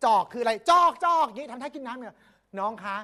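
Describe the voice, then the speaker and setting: A young woman hosting a live fan stream, teasing and guessing words loudly in a casual game. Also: fairly high pitch, a little hiss or hum. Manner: lively, teasing, guessing loudly with quick laughs.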